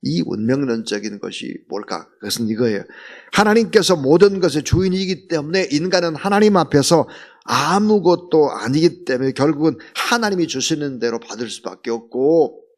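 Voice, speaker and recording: A man preaching an early-morning sermon as pastor, earnest and full of rhetorical questions, swinging from loud emphasis to near whisper. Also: a little high, lively intonation, normal speed, hardly any pauses.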